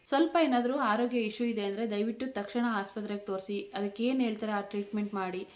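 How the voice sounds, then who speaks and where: A woman's voice: medium pitch, steady tone, fast talker. A woman speaking in an emotional tribute vlog, tearful and pleading, repeating herself. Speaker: vlogger.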